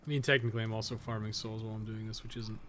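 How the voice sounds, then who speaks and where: A gaming podcast co-host gives casual, profane live commentary on a game, chatting informally and often muttering to himself as he plays. His lowish voice is flat and rapid-fire, with background noise present.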